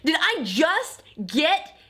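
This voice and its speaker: A woman plays an outraged, over-it young woman in a comic skit. She drags out incredulous words in a very high voice that swoops sharply. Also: big pitch swings, bright, forceful tone, exaggerated voice. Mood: incredulous, fed up. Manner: incredulous, drawn-out. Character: indignant, fed-up young woman who was catcalled.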